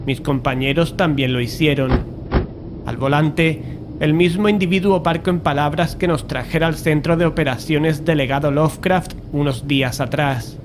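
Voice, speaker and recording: A man's voice: on the high side, steady tone, moderate pace, background noise, close to an everyday voice. An actor from playing a serious, technology-naive investigator who narrates his own story in an audio drama. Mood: measured, puzzled. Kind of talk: audio drama dialogue and first-person narration. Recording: music bed behind the voice.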